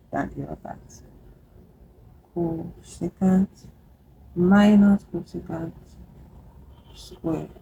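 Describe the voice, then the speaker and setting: A Nigerian woman with a low, dark voice teaches maths at a whiteboard. There is a gravelly edge to her voice. She checks in with her viewers and slows down to spell out formulas as she writes. A faint hiss sits behind her. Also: muffled recording. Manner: chatty and encouraging, checks in with "yeah?" and "okay?". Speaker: math tutor vlogger. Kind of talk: casual whiteboard lesson.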